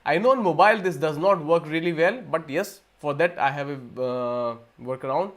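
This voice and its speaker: A man's voice: a little high, normal speed. Indian man hosting a rambling livestream. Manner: rambling with frequent restarts and repeated words. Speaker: livestream host. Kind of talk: casual live Q&A talk.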